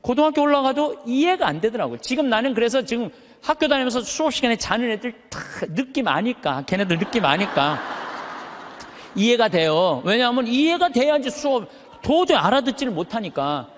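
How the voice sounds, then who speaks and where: High, full-voiced male priest in a reverberant hall. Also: very animated, fairly quick, slight background noise. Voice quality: high but thick, full voice that carries. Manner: emphatic, uses rhetorical questions and stretched words for effect. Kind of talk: animated motivational sermon to a live audience. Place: large hall, speaking to an audience.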